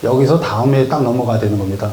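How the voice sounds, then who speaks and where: A man's voice: medium pitch, fast, mellow, slight background noise. A middle-aged man preaching a sermon in a church, telling a story and acting out its dialogue in voices. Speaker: pastor. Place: church sanctuary.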